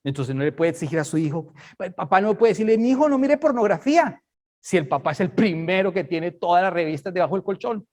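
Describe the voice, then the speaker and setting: A man's voice: sits high, fast, few pauses. A man preaching a Bible study, emphatic and conversational, often checking that listeners understand.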